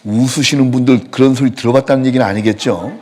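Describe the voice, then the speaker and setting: A male pastor preaching a sermon in a church, telling stories with lively acted-out quotes. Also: mid-range voice, fast. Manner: animated storytelling, acting out quotes. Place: church sanctuary.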